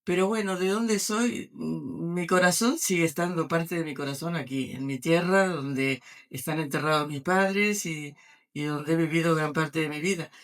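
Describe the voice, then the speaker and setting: Older Argentine woman, halting speech. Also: low-pitched. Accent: Argentine Spanish. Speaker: author. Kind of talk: book presentation interview.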